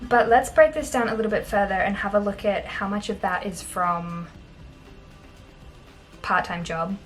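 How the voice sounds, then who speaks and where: A woman's voice: medium pitch, normal speed, soft background music. Upbeat Australian woman chatting about money. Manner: chatty, upbeat, laughs often. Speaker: vlogger. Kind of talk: casual talking-head finance vlog. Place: small bedroom indoors.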